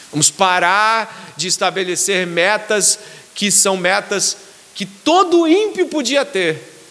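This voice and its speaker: A man's high, raised, projected voice with lively intonation, very slow pace and noticeable background noise. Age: 40s. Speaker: pastor. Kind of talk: sermon.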